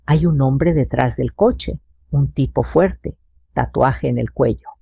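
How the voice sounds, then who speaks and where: A narrator voicing a calm older man who speaks with firm, almost military authority, in a dark, gravelly tone. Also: rumbling low, takes it slowly, no echo, full character voice. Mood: watchful.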